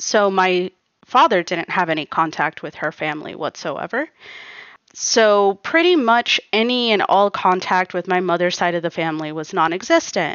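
A woman with medium pitch and ordinary pitch variation talks at a moderate pace in an ordinary speaking voice. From Miami, US. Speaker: podcast guest. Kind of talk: casual interview chat.

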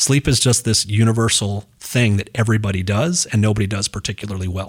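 Speaking in an American accent, a man talks at a very fast pace with a medium pitch and ordinary pitch variation. The recording is very clean, with a silent background. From Nevada, Reno. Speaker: tech company CEO. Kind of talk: interview. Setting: studio.

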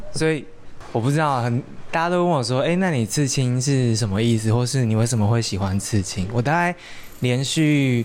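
Speaking at a moderate pace, a man uses a normal speaking voice at medium pitch with ordinary pitch variation and very even loudness. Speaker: podcast host. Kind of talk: casual interview chat; scripted narration. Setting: in a car.

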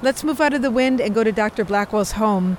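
A woman with fairly high pitch speaks at a moderate pace with ordinary pitch variation. Noticeable background noise runs underneath. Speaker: radio host. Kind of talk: radio show hosting.

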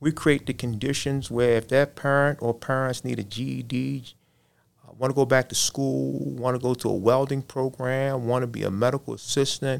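A man speaks with an American accent and an ordinary speaking voice. His pitch is medium, his pace moderate, and his intonation fairly even. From US, Baltimore, Maryland. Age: 50s. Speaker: nonprofit executive. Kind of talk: interview.

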